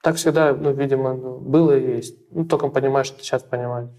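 A young man from Russia answering interview questions in a small plain room, halting and repeating words with many fillers. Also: mid-range voice, fairly even intonation, mellow. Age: young adult.

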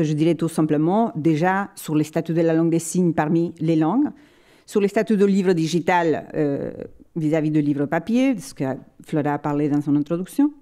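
A woman speaking at a library conference, giving an academic lecture in a measured, explanatory way and pausing often to search for words. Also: lowish voice, dark tone.

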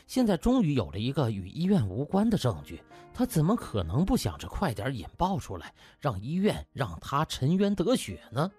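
A man's voice: medium pitch, huge pitch swings, moderate pace, few pauses, darkish tone, soft background music. A man narrating a novel as an audiobook in a dramatic storytelling style.

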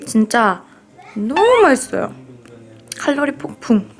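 A woman's voice: high-pitched, big pitch swings, a little slow. A young woman in casual mukbang chat, talking enthusiastically about her food while chewing. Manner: chatty, self-deprecating, enthusiastic about food. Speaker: model and vlogger. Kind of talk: casual mukbang vlog talk. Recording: music playing behind the voice. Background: background music.

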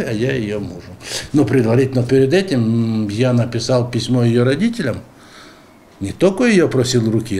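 A man in his seventies tells his story in an interview at home. His voice sits at a middle pitch, his phrases come haltingly and deliberately, and there is a faint noise in the room. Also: warm tone. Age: 70s. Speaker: retired navy warrant officer, interviewee.

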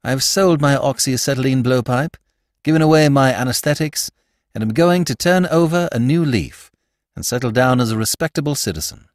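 A man's voice: medium pitch, normal speed, no room sound, studio quality, pitched above the performer's own voice, close to an everyday voice. A man voicing a suave, wry retired master jewel thief in an audiobook, articulate, teasing and assured. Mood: amused.

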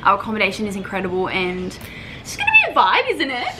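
A young woman in her twenties chatting to her viewers in a casual travel vlog, bubbly and fast to laugh, speaking to a camera on a balcony. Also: medium pitch, huge pitch swings, sharp tone, a little hiss or hum. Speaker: vlogger. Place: hotel balcony. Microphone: camera on a tripod at table.

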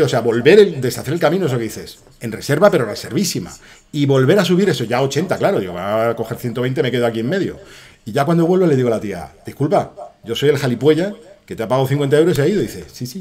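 Middle aged spain spanish guy streaming games, loud swearing storyteller, mid pitch, echoey room. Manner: loud, swearing, jokey anecdotes. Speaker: streamer and voice actor. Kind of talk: casual livestream storytelling.

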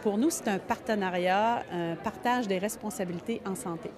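A woman with a Quebec French accent, soft-spoken and hesitant. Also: mid-range voice, normal speed. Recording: crowd chatter behind.

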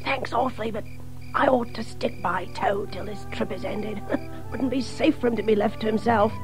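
An actor playing a stubborn, loyal, grumbling river rat in an audio drama, huffy and plain-spoken. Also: male voice, high-pitched, steady tone, normal speed, over music, close to an everyday voice, low-quality recording. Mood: quiet, resigned.

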